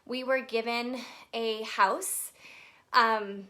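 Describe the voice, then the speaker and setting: A woman in her late thirties talks on a casual livestream, her voice bright and forward and a touch higher than most. She chats along with fillers and greets viewers by name as they join. She sounds a little nervous but keeps going. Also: steady tone, extremely slow. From Texas. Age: 30s. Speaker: livestream presenter. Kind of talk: casual live video chat.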